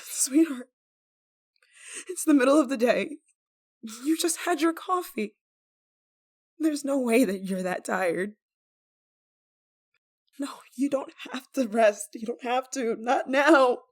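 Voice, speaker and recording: A woman acting an obsessive, guilt-ridden lover in an ASMR roleplay monologue, with halting, pleading, stammering delivery. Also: high voice. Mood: pleading, grieving.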